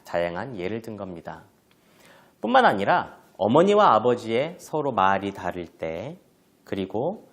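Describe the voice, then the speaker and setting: A man giving an online lecture to parents on family communication, explaining terms and acting out examples. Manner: explanatory, with lively pitch swings and acted examples.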